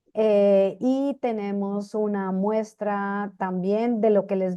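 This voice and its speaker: Her voice sits at a medium pitch. This woman keeps a fairly even intonation. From Colombia, Bogotá. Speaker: transport engineering consultant and cultural presenter. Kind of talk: presentation talk. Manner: hesitant with fillers.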